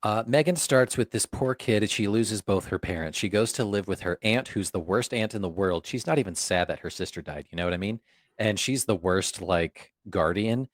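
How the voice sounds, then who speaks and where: A man with a lowish voice co-hosts a relaxed movie podcast. He is animated and playful, tossing in goofy sounds, and he is recorded close on a dry mic. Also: moderate pace, no echo. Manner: animated, slips into silly voices and sound effects. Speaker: podcast co-host. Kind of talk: casual movie podcast chat.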